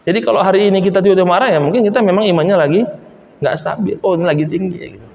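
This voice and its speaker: A man gives a sermon, his voice sitting high as he tells animated stories. The sound rings around a roomy hall with a long reverb tail, and faint ambience sits underneath. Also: rapid-fire, creaky, muffled recording, a little hiss or hum. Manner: animated storyteller who acts out quoted voices. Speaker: ustadz preacher. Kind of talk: sermon with storytelling.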